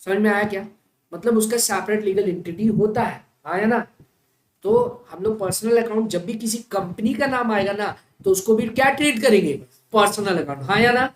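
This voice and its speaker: A woman teaching an accounting class in speech, often asking the class check questions and slowing down to spell out key terms. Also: lowish voice. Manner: stretches out key terms slowly, as if for dictation. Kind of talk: classroom lecture. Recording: echoey classroom with faint noise.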